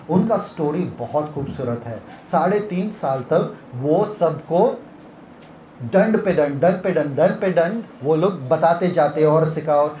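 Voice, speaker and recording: A man's voice: a little high, mellow, slight background noise. A man leading a Bible retreat session, teaching interactively and quizzing listeners with repeated questions. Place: retreat hall. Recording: echoey hall.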